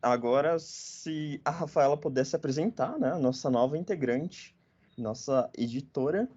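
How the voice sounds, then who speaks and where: This chatty, jokey podcast host is a man in his twenties from northern Paraná, Brazil, who often adds "né?" tags. He talks a little slowly in a fairly high, a little mellow, slightly rough voice, and the recording has its highs cut off.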